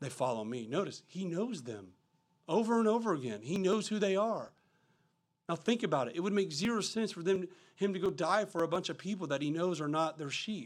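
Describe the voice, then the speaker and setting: A man speaks with lively intonation at a fairly quick pace. His voice sits high in pitch. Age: 40s. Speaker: pastor. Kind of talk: sermon. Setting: church. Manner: casual, joking.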